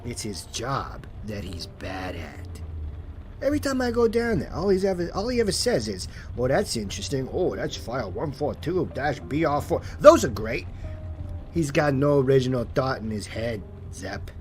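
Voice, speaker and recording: An actor playing a cocky, sarcastic detective in an audio drama, needling and mocking the people around him. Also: male voice, medium pitch, sing-song, faint music behind, lightly acted. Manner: sarcastic, needling, quick to mock. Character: cocky wisecracking male detective Bash.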